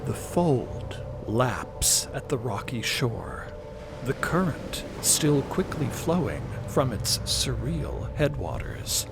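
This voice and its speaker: A man narrating a scripted story with deliberate, dramatic phrasing. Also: mid-range voice, big pitch swings, over music.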